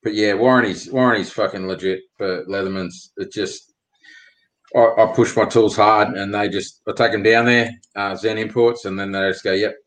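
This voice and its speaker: A man chatting in loud, matey banter with friends, blokey and slangy, swearing casually. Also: on the low side, steady tone, moderate pace, low-quality recording.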